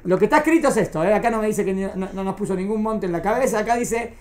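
A woman teaches a small class at a middle pitch. She explains step by step and keeps asking whether everyone is following. The recording picks up the room's echo. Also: racing, darkish tone. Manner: explains patiently, keeps checking if students follow. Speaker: Torah teacher.

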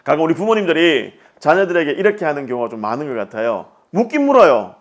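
A man's voice: on the high side, very animated, fast talker. A middle-aged man hosting a parenting talk, telling a family story in a casual monologue and acting out its dialogue. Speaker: parenting educator and show host.

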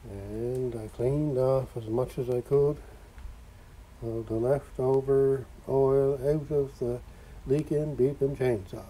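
A man's voice: mid-range voice, steady tone, takes it slowly, dark tone, slight background noise, poor audio. A man rambling in a folksy way while filming in his cluttered home workshop garage. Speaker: vlogger. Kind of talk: casual workshop vlog.

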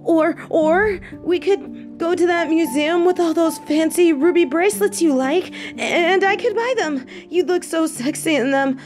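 A woman's voice: very high voice, a little slow, darkish tone. A woman playing a possessive female mafia boss and doting girlfriend in a scripted, intimate audio roleplay. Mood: panicked, pleading. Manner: swings between cold threats and tender pleading. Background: background music.

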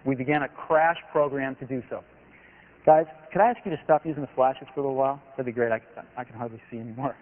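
A man's voice: medium pitch, fairly even intonation, fast. A man in his forties giving an emphatic product keynote on a big conference stage. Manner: enthusiastic, emphatic salesmanship. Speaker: company executive giving a keynote. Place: large conference hall stage. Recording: tinny lo-fi archive recording of a hall.

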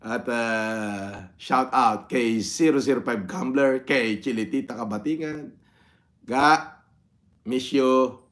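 A middle-aged man with a Filipino accent chatting casually on a livestream, greeting viewers in a drawn-out way with many pauses and interjections. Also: medium pitch, fairly bright tone. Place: indoor room with framed painting. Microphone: phone propped at arm's length.

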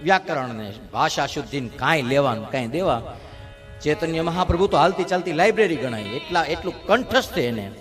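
A man, telling a devotional story as a sermon in an animated, rhythmic style with chanted verses. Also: on the high side, fairly quick, in a large hall. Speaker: religious storyteller. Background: guitar music.

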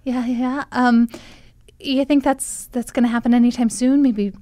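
A woman's voice: a little high, flat delivery, normal speed, mellow, dry recording, lightly acted. A woman playing a sweet, eager, flirtatious small-town baker in an improvised radio drama, coaxing and hesitant. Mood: flirty, suggestive.

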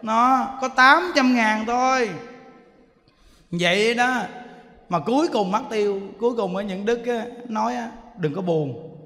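A male Buddhist monk delivers a sermon, telling stories with laughter and acting out the people in them. His voice is fairly high, and a long hall reverb trails every phrase. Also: measured pace, sharp tone.

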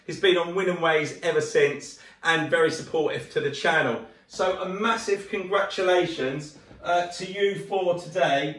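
Middle-aged male host, excitable and chatty, slightly croaky, fairly high voice, recorded far from the mic in an echoey room. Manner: enthusiastic, chatty, gestures while talking. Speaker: channel host. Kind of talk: upbeat announcement to viewers. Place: living room at home, indoors. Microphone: camera across the room. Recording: roomy echo from a distant camera mic.

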